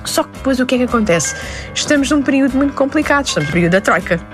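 A woman's voice: sits high, expressive, racing, over music. A woman born in Lebanon, speaking, telling stories as an interview guest. She often laughs and restarts her words. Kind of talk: conversational interview.

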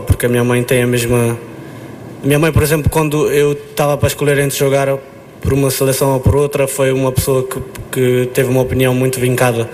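Young male footballer, monotone, halting answers; slight ambient noise. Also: mid-range voice. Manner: hesitant, frequent restarts and fillers. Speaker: footballer at a press conference. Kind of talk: press conference answers.

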